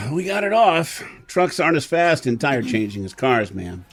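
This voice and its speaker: An actor playing a gruff, matter-of-fact male driver in a golden-age style radio drama. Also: a little high, big pitch swings, unhurried, fairly bright tone, exaggerated voice. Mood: laconic.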